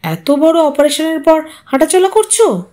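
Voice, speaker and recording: Sharp-tongued young wife, voiced by a woman narrator, snappish, scolding, high voice. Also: sing-song, moderate pace.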